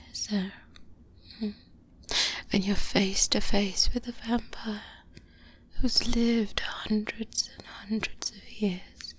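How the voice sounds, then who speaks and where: A woman playing a seasoned, secretive vampire hunter in an ASMR roleplay, in a hushed, breathy whisper with many pauses, close to the microphone. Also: mid-range voice. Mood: grave, instructive. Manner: slow, hushed, confiding, pausing often. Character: seasoned female vampire hunter mentor, secretive, wry, pragmatic. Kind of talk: soft-spoken ASMR roleplay. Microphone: close binaural microphone. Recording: close-up binaural mic, light background noise.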